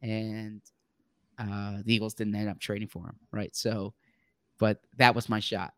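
A man's voice: lowish voice, level tone, a little slow, fairly bright tone, clear, resonant tone, no echo, studio quality. A man co-hosting a casual sports talk show who often stumbles and repeats words as he starts his thoughts. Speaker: sports podcast co-host.

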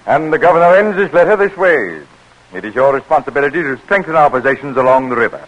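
An actor playing a proud, hot-tempered Dutch commissary in an old radio drama, blustering and commanding. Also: male voice, a little high, expressive, fast talker, a bit bright. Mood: confident. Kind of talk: 1930s radio acting. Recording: dull lo-fi old radio recording.

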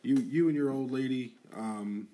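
A man's voice: mid-range voice, normal speed, mellow, rough recording. A young man co-hosting a podcast in casual chat, swearing freely and joking with friends. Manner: profane, joking, laughs often. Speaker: podcast co-host.

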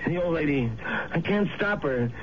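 An actor playing a sickly, weaselly lodger and hired accomplice, breathless, halting and insinuating, in 1970s radio drama style. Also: male voice, a little high, animated, lightly acted. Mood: urgent, reluctant. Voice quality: breathless, winded. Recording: dull, noisy old radio broadcast.

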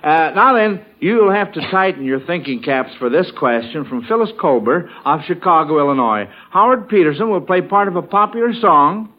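A man's voice: fairly high pitch, lively intonation, moderate pace, hardly any pauses, dull audio. A man hosting a classic radio quiz show in an encouraging, chatty manner, on an old broadcast recording.

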